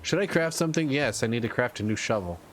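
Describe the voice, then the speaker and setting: A man's voice: medium pitch, lively intonation, fast, slight background noise. A man streaming a game, rambling playfully and teasing himself as he plays. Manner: rambling, self-mocking, playful. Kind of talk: casual gameplay livestream chat.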